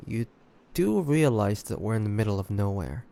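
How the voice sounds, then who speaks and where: A man playing a wary, stubborn young demon hunter in an intimate audio roleplay, speaking in a hesitant, grudging, halting way. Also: lowish voice, lively intonation, vocal fry, warm tone. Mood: weary, doubtful. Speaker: voice actor. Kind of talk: intimate audio roleplay acting, addressing the listener.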